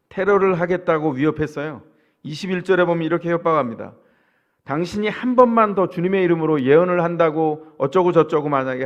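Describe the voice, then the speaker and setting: This high-pitched man is a pastor from South Korea's Chungcheong region, delivering a chatty sermon and often asking his listeners rhetorical questions. The audio is dull.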